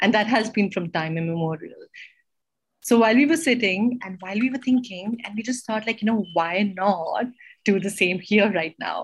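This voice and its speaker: At a moderate pace, a somewhat breathy voice speaks with ordinary pitch variation. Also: woman, medium pitch for a woman. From India. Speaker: startup founder. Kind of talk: casual interview chat.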